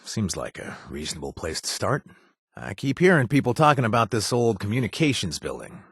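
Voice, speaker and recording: A man's voice: on the low side, wildly swooping pitch, brisk, fairly bright tone, breathy edge, dry recording, clean studio sound, exaggerated voice. A young man voicing a sly, sarcastic male wasteland drifter in a video game, with a hesitant offhand delivery full of trailing asides. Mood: wry. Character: wry shady male wasteland drifter, joking and evasive. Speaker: game companion character. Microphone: close studio mic.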